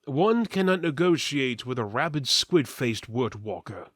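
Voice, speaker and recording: A man's voice: mid-range voice, sing-song, a little slow, a bit bright, dry recording, clean studio sound. A man giving a dramatic, mock-epic reading of a fantasy tale as its narrator. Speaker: narrator, reader.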